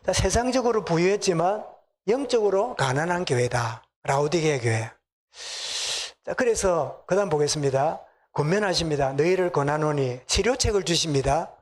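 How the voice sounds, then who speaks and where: In the church sanctuary, a middle-aged pastor from the Gyeongsang region, with its Korean accent, preaches at a moderate pace in an animated, slightly high voice. He keeps things conversational, addressing questions to his congregation.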